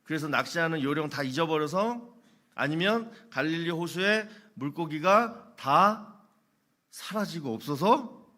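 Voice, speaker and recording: A man's voice: fairly high pitch, expressive, a little slow, pushed and bright. A middle-aged male pastor preaching a sermon, asking rhetorical questions and telling humorous anecdotes.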